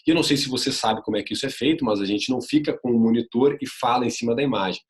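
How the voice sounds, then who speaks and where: A man's voice: mid-range voice, very fast. A sports reporter, a man with a Brazilian Portuguese accent, gives an earnest online lesson, explaining vocal technique through his own career anecdotes and speaking straight to the viewer. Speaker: sports reporter teaching journalism. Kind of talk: online video lesson, first-person anecdotes.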